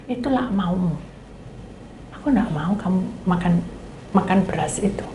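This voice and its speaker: A woman pastor voicing God as a calm, stern presence who quietly rebukes. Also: medium pitch, normal speed, noisy background, lightly acted. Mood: reproachful. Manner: quiet, questioning reproach. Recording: echoey hall with faint ambience.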